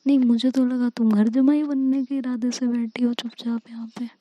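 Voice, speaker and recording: Cheeky, teasing young girlfriend, voiced by a woman; warm, dry sound. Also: fairly high pitch, fairly even intonation, moderate pace, dry recording, muffled recording, lightly acted. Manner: teasing, playful.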